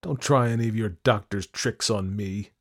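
A man performs a deluded madman who believes a crown is his. The voice is pushed well above a low natural register, imperious and furious, with emphatic shouted commands in a dramatic storybook style. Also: normal speed. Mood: furious, commanding. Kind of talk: dramatic audiobook character acting.

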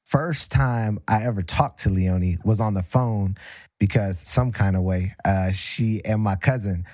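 California guy hosting a chat, lowish voice, dry sound, kinda halting and reflective. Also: darkish tone, no echo. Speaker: podcast host. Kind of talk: casual conversational talk.

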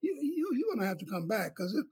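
A man who is a physician and show host, talking in a panel discussion in a halting way, with many fillers and restarts. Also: sits high, sing-song, a little mellow, husky, low-quality recording.

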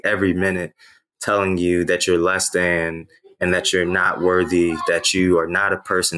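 A man's voice: low voice, fairly bright tone. A man in his thirties whose first language is Haitian Creole, an author telling his own story as an interview guest in an earnest, reflective way with frequent "you know" fillers.

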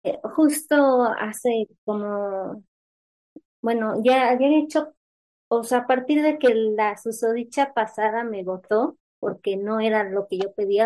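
A woman's voice: mid-range voice, a little mellow. A woman calling in to share her story, hesitant and restarting her sentences as she talks. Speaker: caller. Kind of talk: casual chat.

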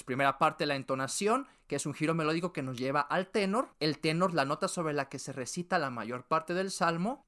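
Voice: mid-range voice, fairly bright tone. Methodical podcast teacher. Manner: methodical, lists and repeats terms step by step. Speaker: podcast host teaching liturgical music. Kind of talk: educational podcast explanation.

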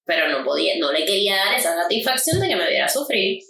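A woman, chatting casually and telling stories with lots of energy. Her voice is bright, and she slips into English and does the voices of the people she's quoting. She sits some way from the mic, in a room with a noticeable echo. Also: medium pitch, quick pace, vocal fry, slight background noise. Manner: animated storyteller, switches into English, acts out voices. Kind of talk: casual chat. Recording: echoey room, mic at a distance.

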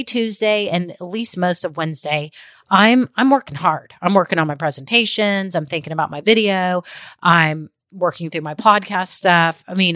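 A woman's voice: on the low side, fairly bright tone, dry recording, studio quality. A middle-aged woman giving upbeat, encouraging, tidy step-by-step advice as a casual vlog host. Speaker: host of a business advice show.

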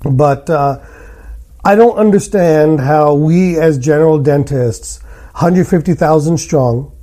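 Higher-pitched, mellow male podcast host. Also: slow pace. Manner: blunt, opinionated. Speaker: podcast host, general dentist. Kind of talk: conversational podcast hosting. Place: hotel room.

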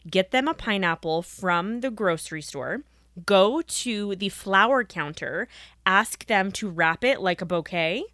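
A woman's voice: mid-range voice, animated, unhurried, a bit bright, no room sound, clean studio sound. A woman co-hosting a casual chat, gushing with enthusiasm over her favorite finds. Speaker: podcast co-host.

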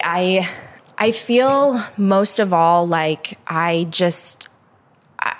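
Chatty immigrant woman with lowish voice. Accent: American, Chicago-influenced. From Poland. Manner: talkative, frequent likes and ums. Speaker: guest. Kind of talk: candid conversational interview.

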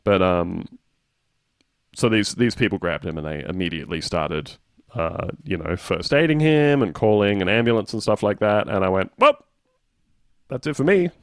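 A low-voiced man co-hosting a podcast, telling rambling stories with dry humor. The sound is close and dry, with no room around it. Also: normal speed, smooth, no echo. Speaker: podcast co-host. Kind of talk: casual chat.

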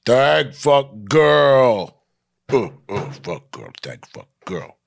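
A man playing a crude, dim caveman bully who talks in slow, broken primitive speech in a comic script reading. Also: medium pitch, sing-song, vocal fry, heavily acted. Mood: crude boasting.

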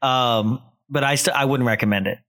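A man hosts a laid-back movie podcast, rambling through his thoughts with plenty of filler words. His voice sounds bright and forward. His pitch sits in an ordinary middle range. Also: normal speed. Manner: loose and rambling, lots of fillers and likes. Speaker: podcast host reviewing films. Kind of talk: casual chat.

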